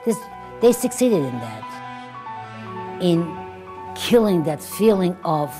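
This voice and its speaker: A woman from Syria, a nun whose first language is Armenian, speaking slowly and reflectively in a documentary interview, pausing between phrases. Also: fairly low pitch, big pitch swings, over music.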